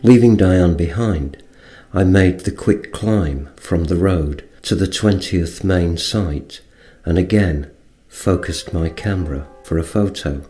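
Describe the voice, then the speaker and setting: Man narrator, very low and dark-toned, audiobook-style first-person account, music underneath. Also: slow.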